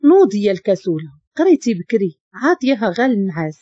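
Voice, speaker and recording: A woman's voice: medium pitch, sing-song, fast, warm tone, slightly rough, dry recording, dull audio. A woman with a Moroccan accent voicing a brusque but caring young man in a spoken story. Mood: teasing.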